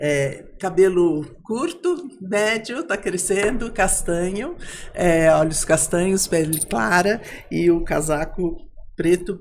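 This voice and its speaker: The delivery is very slow. Its intonation is lively. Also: woman, medium pitch for a woman. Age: 60s. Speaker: project manager. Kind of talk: casual chat.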